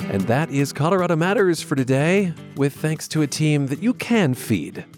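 A man's voice: on the high side, expressive, moderate pace, over loud music. A man hosting a public radio show, friendly and upbeat, lightly joking with his guest. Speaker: radio host.

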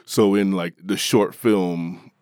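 Low-voiced animated man, dry sound. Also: slow, no room sound. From Appalachia. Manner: animated, chatty, laughs often, many fillers. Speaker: author. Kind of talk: interview guest.

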